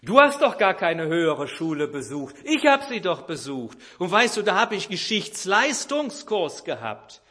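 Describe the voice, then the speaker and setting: A man putting on a pompous, easily offended husband who lectures and blusters at his wife. His voice is loud and lifted above normal speech, full of self-importance. It is acted out as an everyday example in a sermon. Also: sits high, very animated, measured pace, hardly any pauses, voice pushed up, full character voice. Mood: boastful. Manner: condescending, blustering. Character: pompous, touchy know-it-all husband.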